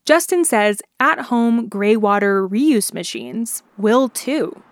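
A woman reporter narrating a radio news feature in a clear, steady way. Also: on the high side, takes it slowly, no room sound.

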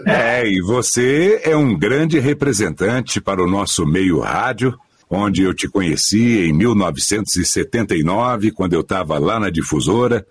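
A man's voice: fairly low pitch, expressive, a little slow, slightly rough, dry recording. An older man hosting a radio podcast from home, friendly and teasing, with a broadcaster's delivery over a remote link. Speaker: podcast host. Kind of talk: warm interview hosting. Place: home in a small room. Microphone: remote online recording.

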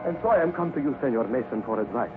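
An actor playing a poor, worried farmer who pleads anxiously and politely, in 1950s radio drama style. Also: male voice, mid-range voice, expressive, racing, loud music behind the voice, lightly acted. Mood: pleading. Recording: narrow, hissy 1950s radio broadcast.

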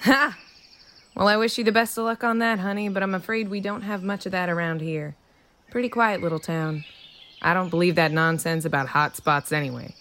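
Low-voiced, folksy, bossy small-town woman, acted. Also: fairly even intonation, brisk, a bit bright, natural voice. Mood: skeptical, teasing. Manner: familiar, blunt, uses pet names. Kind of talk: audio drama acting.

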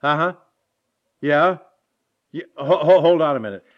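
An actor playing a sheepish, put-upon suburban husband in a 1950s radio domestic comedy, halting and stammering. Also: male voice, on the high side, expressive. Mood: bewildered. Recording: muffled 1950s radio recording.

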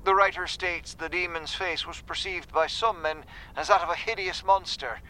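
A man reading as a bright-voiced scholar. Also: high voice, low-quality recording. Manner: measured, academic, with uh's. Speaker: translator's commentary reader. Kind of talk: document reading in audio drama.

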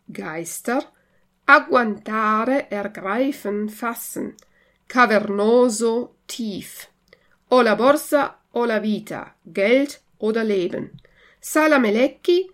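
A woman reading a classic children's story aloud in a slow, clear way, then going through a vocabulary list with translations. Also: medium pitch, a bit bright. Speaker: reader and language teacher.

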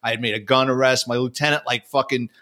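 A man, a former police detective, telling war stories in a casual, profane, animated way. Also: medium pitch, fast. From New York. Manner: profane, animated, acts out quotes. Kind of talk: casual storytelling.

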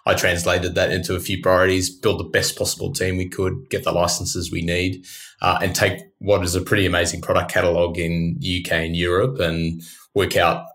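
A man's voice: low-pitched, flat delivery, normal speed, a bit bright. A man giving conversational interview answers as an executive guest. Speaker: podcast guest, country chief executive.

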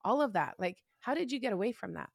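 A woman hosting a podcast interview, excitable and chatty, with lots of fillers and restarts. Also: mid-range voice, quick pace, creaky, dry recording, clean studio sound. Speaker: podcast host. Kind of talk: casual interview chat.

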